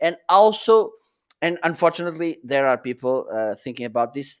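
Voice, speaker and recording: With lively intonation, a man talks at a moderate pace in a dry, close sound with no echo. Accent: Portuguese. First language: Portuguese. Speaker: live streaming co-host. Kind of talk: casual podcast chat. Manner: halting with fillers.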